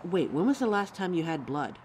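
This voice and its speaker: Performer acting a young werewolf, devoted and anxious, tender fussing delivery, animated pitch, audio drama, clear background noise. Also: brisk, natural voice. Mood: worried, insistent. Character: caring, anxious young werewolf partner devoted to a vampire lover. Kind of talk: scripted roleplay audio drama.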